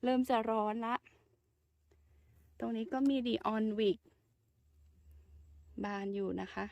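A woman's voice: on the high side, no room sound. A woman chatting casually and politely as she walks through her home garden outdoors, showing her plants. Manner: chatty, soft-spoken, polite with frequent particles. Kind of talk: casual garden tour vlog.

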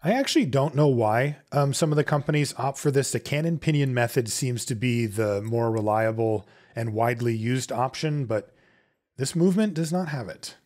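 A man's voice: mid-range voice, normal speed, a little mellow. A man hosting a repair channel, talking through each step casually and conversationally, as if thinking aloud. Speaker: host of a watch repair channel. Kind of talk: casual step-by-step tutorial narration.

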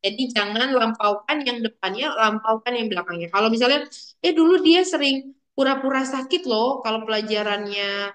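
A woman's voice: on the high side, normal speed. Chatty, playful woman language teacher. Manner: chatty and playful, addresses students directly. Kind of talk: online language lesson.

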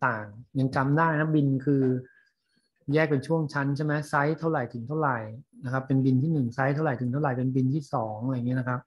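A man teaching a class, explaining English terms in a scientific paper slowly with frequent fillers and pauses. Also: medium pitch, steady tone, slightly rough, dull audio. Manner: slow, halting, many fillers. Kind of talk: lecture on reading scientific English.

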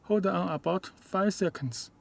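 A man who is not a native English speaker gives a step-by-step hands-on demonstration inside a car, in halting, short, simple phrases. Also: sits high, vocal fry. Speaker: product demonstrator.

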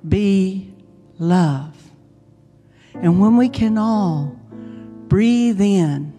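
Very slow, mellow woman guiding meditation. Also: medium pitch, lively intonation. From United States. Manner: hushed, soothing, deliberate phrasing with long pauses. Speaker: minister leading a guided meditation. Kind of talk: guided meditation. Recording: long reverb, music behind. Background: instrumental meditation music.

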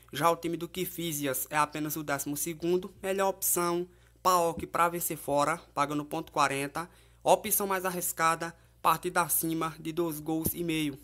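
Fairly high-pitched, bright and forceful, this man with a Brazilian accent acts as a tipster giving informal football match previews and betting tips. He keeps it conversational and leans on frequent tag questions.

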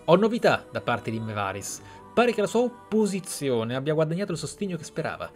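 A man's voice: a little high, very animated, fairly quick, faint music behind, pitched above the performer's own voice. A man voicing a concerned, shrewd advisor from a fantasy game, earnest and formal.

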